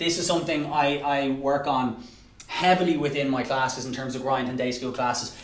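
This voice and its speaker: A man with a Dublin accent speaks at a fairly quick pace with fairly even intonation. Noticeable background noise and audible room echo fill the recording. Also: fairly high pitch for a man. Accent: Irish (Dublin). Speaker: teacher. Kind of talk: lecture. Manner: fast.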